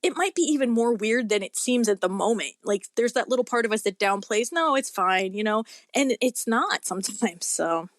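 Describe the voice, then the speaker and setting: A woman's voice: a little high, animated, normal speed, few pauses, no room sound, clean studio sound. A woman chatting casually as an interview guest, talking in an earnest, rambling and emphatic way. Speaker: guest author.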